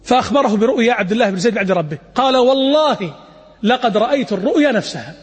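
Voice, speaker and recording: Fast, high-voiced preacher in an echoing hall. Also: male voice, husky. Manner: lively, acts out quotes, demonstrates call to prayer recitation. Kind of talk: sermon storytelling to an audience. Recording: reverberant hall.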